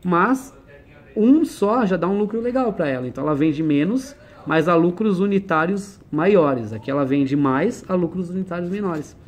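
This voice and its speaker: A man's voice: high-pitched, expressive, normal speed. A man explaining business ideas in a conversational one-on-one lesson, using everyday examples and questions.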